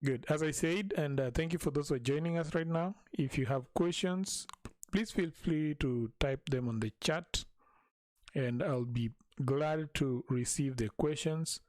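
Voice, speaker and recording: A man teaching a language in a live stream, patiently repeating each phrase slowly for learners. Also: fairly high pitch, darkish tone, no echo.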